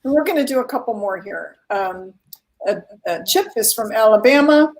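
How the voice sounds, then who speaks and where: A woman's voice: fairly high pitch, animated, normal speed, a little mellow. A woman hosting a live online event, chatting casually and greeting viewers.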